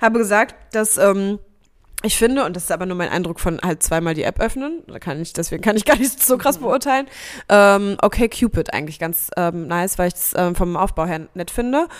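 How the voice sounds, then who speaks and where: A woman with an unremarkable speaking voice talks at a fairly quick pace and a medium pitch, with lively intonation and big swings in loudness. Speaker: podcast co-host. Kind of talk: casual chat. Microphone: sharing one mic, may be quiet.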